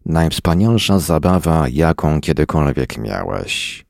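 A man's voice: extremely low pitch, big pitch swings, slow pace, creaky, darkish tone, no room sound, clean studio sound, full character voice. A man reading the lines of a desperate, trapped space traveller, urgent and pleading.

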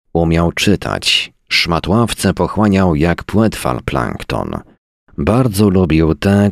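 A man's voice: sits low, a little mellow, no echo, clean studio sound, heavily acted. A man voicing a sardonic, hard-drinking male professor who talks in mocking, long-winded turns.

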